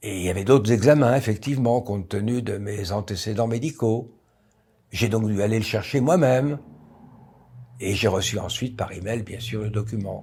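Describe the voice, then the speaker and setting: A man talks at a moderate pace with long, frequent pauses and ordinary pitch variation. His voice is fairly low, with a dark, mellow tone and a somewhat breathy quality. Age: 70s. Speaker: priest. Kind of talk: personal video address. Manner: measured, formal.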